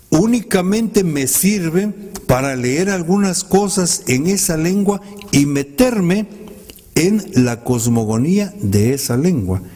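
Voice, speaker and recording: A man whose first language is a Mayan language, giving a thoughtful talk to an audience in a library as a guest poet. He speaks in a measured way, with polite asides and some hesitant pauses. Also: fairly high pitch, darkish tone. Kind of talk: reflective commented poetry talk. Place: public library hall. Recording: reverberant hall sound.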